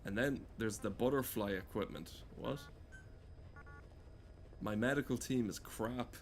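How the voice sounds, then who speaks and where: A man giving rambling, sweary comedic game commentary in a halting, deadpan way. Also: on the low side, slight background noise. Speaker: gameplay streamer.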